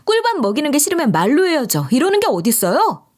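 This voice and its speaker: Brief: combative young sister-in-law in an audio story, high and rapid-fire, voiced by a woman. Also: huge pitch swings, a little mellow.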